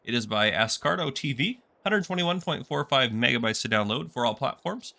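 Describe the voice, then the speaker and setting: A man's voice: mid-range voice, animated, normal speed, gravelly, sharp tone. A man hosting a casual game map tour, talking in a chatty, easygoing way, congested and with a sore throat. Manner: chatty and easygoing, rambling asides. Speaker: gaming channel host.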